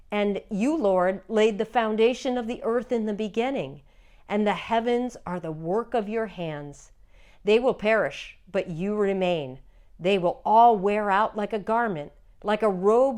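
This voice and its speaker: Woman giving a measured formal scripture reading. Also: mid-range voice. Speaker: scripture reader at a church service.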